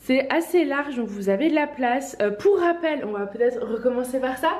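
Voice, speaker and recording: A woman's voice: high voice, expressive, normal speed, a little mellow, reverberant. A woman with a slight cold, chatting casually as she presents outfits from her clothing shop, with frequent fillers and restarts. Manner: chatty, many fillers and restarts, light laughs. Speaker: online clothing shop owner. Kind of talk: casual fashion try-on vlog.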